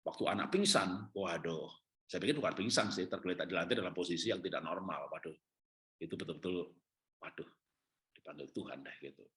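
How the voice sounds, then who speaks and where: A middle-aged man preaching a sermon as a pastor, telling his own story with humor, then sinking into quiet, heavy stretches. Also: low-pitched, a little fast. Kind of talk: sermon with personal testimony.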